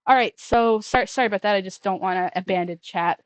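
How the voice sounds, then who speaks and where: A trans man hosting a casual call-in show, talking in a rambling way with many restarts and trailing off quietly. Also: high-pitched, quick pace, clear, resonant tone, no room sound, rough recording. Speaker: podcast host taking call-ins. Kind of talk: casual conversational chat.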